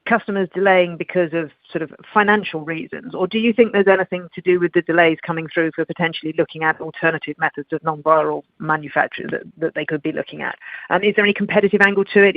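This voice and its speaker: A woman asks questions as an analyst, talking quickly and informally. She comes through a thin, dry telephone connection. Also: lowish voice, fairly even intonation, no echo. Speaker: financial analyst. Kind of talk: conversational questioning. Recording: tinny, narrow phone line.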